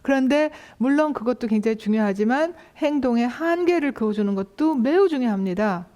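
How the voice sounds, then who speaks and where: A woman lecturer on parent education, talking with a somewhat high voice. She tells stories in a lively way and acts out the lines of the people in them. Her delivery has the measured pace of a lecture. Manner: lively storytelling, acting out quoted voices. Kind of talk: lecture with anecdotes.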